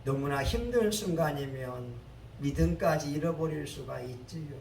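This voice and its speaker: A male pastor delivering a sermon, building up to loud, dramatic exclamations. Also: fairly high pitch, moderate pace, creaky. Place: church sanctuary. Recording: echoey church hall, mic at a distance, faint ambient noise.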